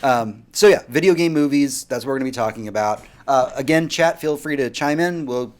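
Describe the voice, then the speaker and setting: A man's voice: mid-range voice, a little fast. A man hosting a casual podcast, steering the talk with energy. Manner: lively, steers the discussion. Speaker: podcast host.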